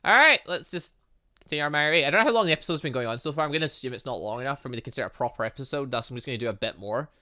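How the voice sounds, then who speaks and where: A man commentating on a game as its host, excitable and rambling, thinking aloud with frequent asides and exclamations. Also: medium pitch, racing, dry recording, studio quality. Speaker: gaming channel host. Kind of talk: let's-play commentary, reading game dialogue aloud.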